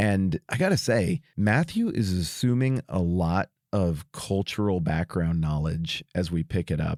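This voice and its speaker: A man with a very deep, low pitch speaks at a fairly slow pace with lively intonation, very even loudness and hardly any pauses. The recording is very clean, with a silent background. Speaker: podcast host, Bible teacher. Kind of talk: casual Bible teaching podcast. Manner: conversational, informal.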